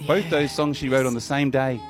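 A man with a low voice, chatting enthusiastically and rambling a little as a guest in a radio studio. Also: fairly even intonation, fairly quick, soft background music. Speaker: radio presenter and guest musician. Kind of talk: casual radio chat.

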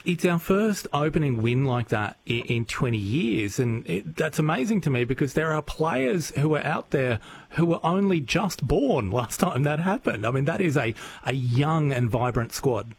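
A man's voice: on the high side, lively intonation, normal speed, gravelly, a little hiss or hum. A man hosting a radio interview, upbeat and enthusiastic. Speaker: radio host.

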